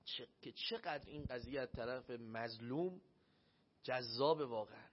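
A man preaching a religious sermon, telling a personal story and acting out the voices he quotes. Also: medium pitch. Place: shrine hall. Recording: dull lo-fi recording.

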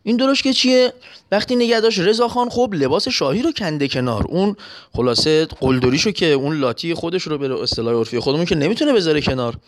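Animated preacher man, lively pitch. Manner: animated, acts out voices in anecdotes. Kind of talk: sermon with storytelling.

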